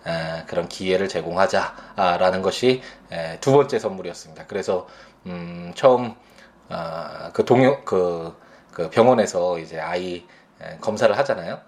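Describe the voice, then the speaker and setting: A man in his thirties, a father, speaking reflectively about his son, pausing often with fillers. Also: low-pitched, darkish tone. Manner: slow, hesitant, many fillers. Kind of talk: reflective personal testimony.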